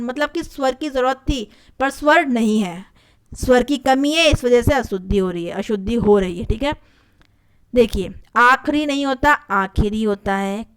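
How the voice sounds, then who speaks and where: A woman teaching a spelling lesson for an exam, her voice smooth and clear and pitched a little high. She goes over each correction patiently and repeats it to make it stick. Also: moderate pace. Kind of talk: exam-prep grammar lesson.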